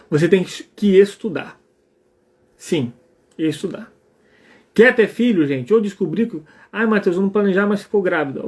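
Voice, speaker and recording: Emphatic high-voiced Brazilian man. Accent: Brazilian Portuguese. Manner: emphatic, repeats checks like "tá?" and blunt "ponto". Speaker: psychologist and couples therapist. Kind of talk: live talk to parents.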